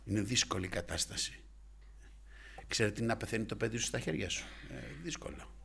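A man preaching a sermon with fervent delivery, swinging from hushed asides to loud exclamations and often adding short interjections. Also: on the low side, lively intonation, gravelly, a little hiss or hum.

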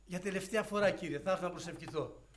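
A man preaching an evangelical sermon, shifting between hushed storytelling and loud fervent exclamations and acting out dialogue. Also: high-pitched, a little hiss or hum. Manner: acts out dialogue in quoted voices.

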